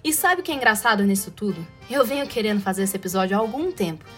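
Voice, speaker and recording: A woman's voice: mid-range voice, lively intonation, fast, faint music behind. A woman from inland São Paulo state with a strong caipira accent, hosting a podcast in a chatty, playful way with sarcastic asides. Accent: Brazilian caipira, rolled-back R. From interior of São Paulo state, Brazil. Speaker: podcast host. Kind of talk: casual educational podcast monologue.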